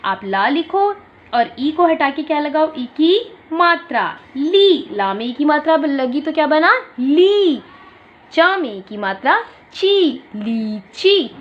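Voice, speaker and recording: A woman teaching an online lesson to small children. She stretches out syllables slowly and asks questions, then answers them herself. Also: high voice, animated. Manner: slow drawn-out syllables, asks and answers her own questions. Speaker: primary school teacher. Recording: dull lo-fi sound.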